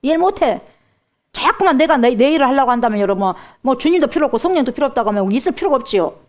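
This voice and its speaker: A woman's voice: sits high, expressive, rapid-fire, darkish tone. A woman pastor with a Jeolla accent preaching a sermon emphatically and putting direct questions to the congregation.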